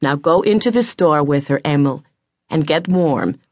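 A woman voicing a slight, helpful teenage boy who speaks calmly and matter-of-factly. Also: low voice, moderate pace.

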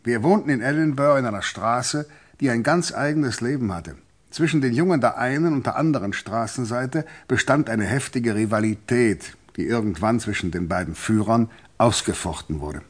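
An actor playing a gentleman author who looks back on his combative life, reflective and composed, in a radio play. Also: mid-range voice, moderate pace, natural voice. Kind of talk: autobiographical narration in a radio play.

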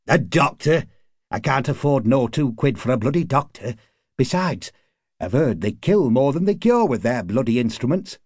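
A man's voice: mid-range voice, sing-song, normal speed, a little mellow, slightly rough, no echo, clean studio sound, voice pushed up. A man voicing an irritable, cynical working-class card player in an audiobook, grumbling in colloquial, sweary speech. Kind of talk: audiobook character acting.

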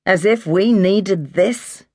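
A woman's voice: on the low side, moderate pace, no room sound, studio quality, pitched above the performer's own voice, lightly acted. A woman playing a cross, stubborn older woman. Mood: cross, weary.

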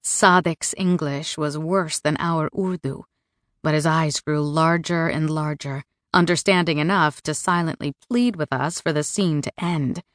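A woman narrates a first-person novel in a measured, even way, her voice sitting a little low. She is recorded close on the mic in a dead, dry booth with no room sound at all. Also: dry recording. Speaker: audiobook narrator. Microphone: close studio mic.

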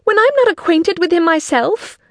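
A fretful middle-aged mother from a classic novel. Her voice sits very high and swoops wildly as she complains, exclaims and gushes. The recording is close and dry. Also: lively intonation, normal speed, a bit bright, no echo, exaggerated voice. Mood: exasperated. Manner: shrill exclamations, complaining, effusive. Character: fretful, excitable middle-aged mother, self-pitying and gushing.

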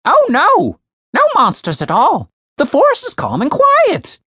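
A woman's voice: very high voice, a little slow, sharp tone, no echo, studio quality, pitched above the performer's own voice, heavily acted. A woman voicing a prim, polite male raven familiar in a storybook. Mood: chirpy. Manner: polite, formal.

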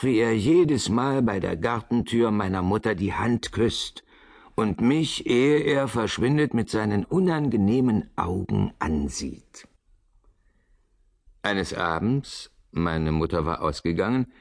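A man narrating a radio drama in the first person, looking back on his childhood in a measured, reflective way. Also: on the low side, a little mellow, heavily acted.

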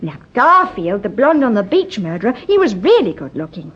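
A woman's voice: mid-range voice, sing-song, normal speed, slightly rough. An actress playing a naive, impressionable girl in a radio drama. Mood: eager. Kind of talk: British radio drama acting. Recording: dull vintage radio recording.

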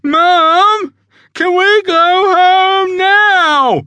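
A man's voice: extremely high pitch, drawn-out words, bright, forceful tone, dry recording, pitched above the performer's own voice, heavily acted. A man voicing a stubborn, whiny young male zebra in a storybook reading, petulant and snappy. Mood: whining.

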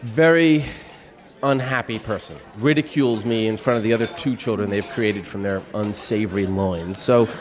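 An actor playing a nervous, smitten young man on a first date in a radio play, talking in halting, self-deprecating rambles. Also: on the low side, lightly acted. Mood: rambling.

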